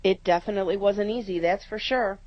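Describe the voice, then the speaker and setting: A homely, courteous woman neighbor, played by an actress speaks in a radio drama at a medium pitch. Her turns of phrase are plain and polite, and the recording is slightly dull. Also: fairly quick, dry recording, lightly acted. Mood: weary, wry. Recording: slightly muffled audio.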